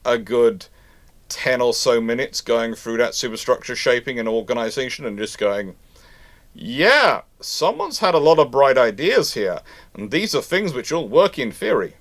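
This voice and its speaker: A man hosting a live history question-and-answer stream in casual chat, talking in a halting, rambling way with repeated words. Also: medium pitch, very animated, a bit bright. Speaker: host of a live naval history Q&A.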